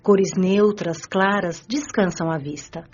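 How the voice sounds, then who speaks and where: An actress playing a kind, elegant female spirit teacher in a radio drama, speaking gently. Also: medium pitch, slow, husky, dull audio. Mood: gentle. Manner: gentle, explanatory.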